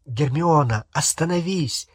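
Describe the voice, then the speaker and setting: A man's voice: fairly high pitch, a little slow, breathy edge, no room sound, clean studio sound, pitched above the performer's own voice. A man doing an urgent teenage wizard boy. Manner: urgent, commanding. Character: teenage boy wizard trying to calm a fight.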